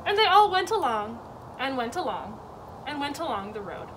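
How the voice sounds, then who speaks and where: A woman reads a children's story aloud in a high voice that swoops up and down. She is picked up from a distance, with clear noise behind her. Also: big pitch swings, moderate pace, fairly bright tone. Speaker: zoo educator reading a story.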